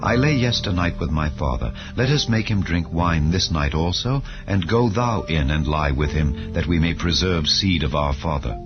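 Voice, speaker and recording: A man voicing a scheming young woman, an elder daughter, solemnly and deliberately in a scripture audiobook. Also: very deep voice, animated. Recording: dull lo-fi audio over music.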